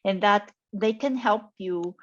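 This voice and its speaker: A woman from Taiwan with a Taiwanese accent, speaking casually and thoughtfully with halting, repeated phrases as she gives advice. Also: mid-range voice, fairly bright tone. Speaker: scientist mentor being interviewed. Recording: dull, muffled lo-fi audio.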